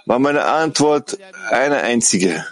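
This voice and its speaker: A man giving a halting live spoken translation of a heartfelt testimonial, often correcting himself as he goes. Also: mid-range voice, lively intonation. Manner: halting, self-correcting delivery.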